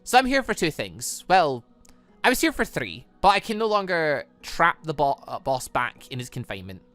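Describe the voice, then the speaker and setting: A game streamer voicing a calm, teasing ghostly mother from a visual novel, with a playful, reassuring manner. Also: medium pitch, moderate pace, no room sound, soft background music. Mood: matter-of-fact.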